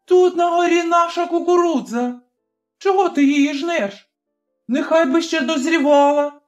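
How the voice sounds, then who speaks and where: A narrator voicing a young village woman who shouts in anger and sobs through her words, in an audiobook. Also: full character voice. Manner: shrill, shouting and crying. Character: young village woman, wronged, furious and sobbing. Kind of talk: audiobook character voice.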